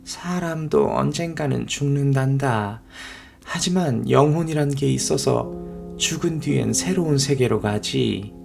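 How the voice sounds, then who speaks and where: A man voicing a wise, gentle old mermaid grandmother explaining things slowly in a children's storybook. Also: mid-range voice, creaky, soft background music, voice pushed up. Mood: gentle, solemn.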